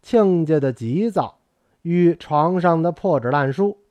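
A male narrator reads a novel with slow, measured, expressive storytelling. His pitch sits somewhat high and moves a lot. The recording is dry and close-miked. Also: no echo, lo-fi sound. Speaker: audiobook narrator. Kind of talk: novel reading.

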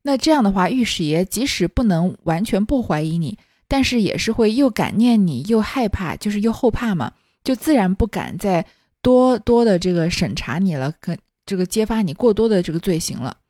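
A woman voicing a shrewd, low-key male master thief in a told story, giving earnest advice. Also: very animated, brisk, warm tone, no echo, clean studio sound. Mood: earnest counsel.

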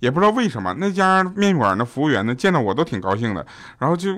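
A man who hosts an audio show and delivers a stand-up comedy monologue. He builds deadpan setups into quick punchlines and often turns to the listener with "you know?". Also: mid-range voice, very noisy.

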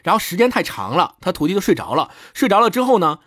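Animated, fast-talking male storyteller. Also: high-pitched, no room sound, clean studio sound. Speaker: podcast host discussing a book. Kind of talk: casual storytelling chat.

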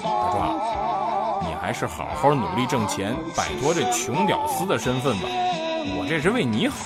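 Lively male comedy talk-show host. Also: medium pitch, normal speed, loud music behind the voice. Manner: lively storytelling. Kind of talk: scripted comedy monologue.

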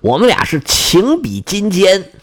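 A man's voice: high voice, huge pitch swings, a little slow, fairly bright tone, full character voice. A male storyteller voicing a stubborn, faithful young hunter who protests earnestly and stammers when flustered.

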